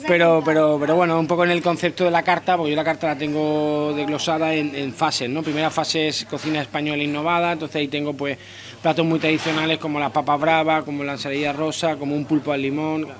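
Fast-talking man, restless restarts. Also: on the high side, little pitch movement. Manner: quick, with many restarts and repeated words. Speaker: chef. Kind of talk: casual interview answers. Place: small restaurant dining room, indoors. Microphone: handheld interviewer mic held close.

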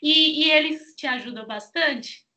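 A woman teacher hosts the conversation, firing off quick "aham"s and friendly, chatty questions. Her voice is high and bright, and it carries crisply as she steers the talk. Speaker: Chinese teacher and host. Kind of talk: casual interview chat.

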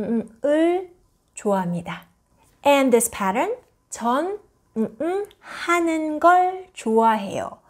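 A woman in her thirties with a slightly high voice explains language patterns to learners. She is patient and clear, slowing down whenever she translates an example. Close lapel-mic sound from a small indoor studio. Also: darkish tone. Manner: patient, explanatory, slows down for English glosses. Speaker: Korean language teacher. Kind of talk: online language lesson.

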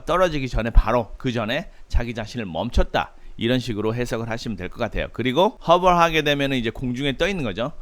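A man teaching English by reading from a novel and patiently explaining each phrase, with frequent "uh" fillers. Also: mid-range voice. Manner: reads English phrases slowly and carefully. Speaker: English tutor. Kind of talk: book-reading lesson, reading English aloud and explaining in Korean.

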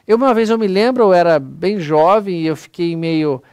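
At a moderate pace, a high-pitched man with a slightly mellow, clean tone gives an online spiritist lecture, sincere and conversational, often addressing people as "pessoal." He has a Brazilian Portuguese accent, and there's no room sound.

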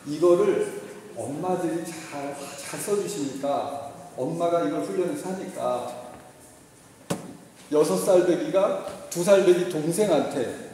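A man's voice: a little high, unhurried. Man lecturing in an echoey hall. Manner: animated, acts out shouted quotes and leads the audience. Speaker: teacher giving a parent lecture. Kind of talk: lively lecture to parents. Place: school hall. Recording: echoey hall, distant mic, faint noise.

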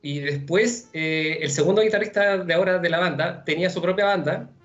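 A young man with a Chilean accent answering interview questions on a video call from home, relaxed and rambling with many fillers. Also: sits high, a little fast. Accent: Chilean Spanish. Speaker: musician guest. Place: room at home. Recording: dull lo-fi video call audio with faint music.

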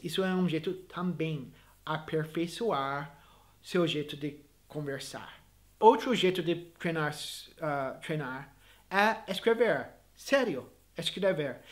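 A man's voice: high-pitched, a bit bright. A man who teaches English, giving earnest, encouraging advice to viewers in a video lesson, with frequent restarts and small grammar slips as he speaks Portuguese as a learner.

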